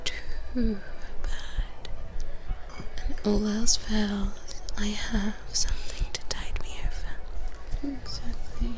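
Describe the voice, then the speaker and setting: Slow whispering woman as a protective vampire sister. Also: mid-range voice, little pitch movement. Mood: confiding. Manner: soothing, slow, close personal attention. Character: protective, reassuring female vampire twin sisters mentoring a fledgling. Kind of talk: whispered ASMR roleplay. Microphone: close microphone for headphone listening.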